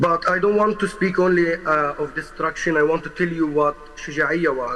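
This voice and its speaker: A man with a high voice speaks at a moderate pace with an Arabic accent and fairly even intonation. There is noticeable background noise. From Gaza, Palestine. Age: 20s. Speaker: journalist and witness. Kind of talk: testimony. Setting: video call. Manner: halting.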